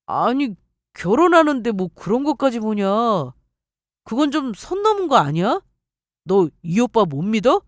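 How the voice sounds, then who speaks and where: An indignant young man, defensive and quick to argue, his voice swinging widely as he pushes back, read out by a woman. The sound is close and dry, with no room around it. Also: on the high side, big pitch swings, dry recording. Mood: irritated. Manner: indignant, argumentative. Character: young adult man, defensive hot-tempered fiancé.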